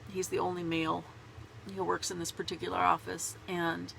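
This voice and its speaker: A woman's voice: lowish voice, level tone, normal speed, gravelly, a bit bright, a little hiss or hum, poor audio. A woman with a cold, congested and sore-throated, chatting in a rambling way to camera as a knitting vlogger from a small closet at home. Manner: rambling and chatty, laughs at herself. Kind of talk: casual chat to camera.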